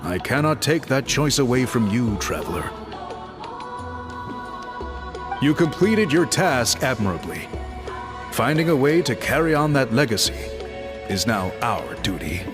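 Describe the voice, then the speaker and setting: A man performs a dignified, earnest tribal chief for a video game. His medium-pitched voice is formal yet lively in intonation, with music clearly behind. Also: moderate pace, lightly acted. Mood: solemn, grateful.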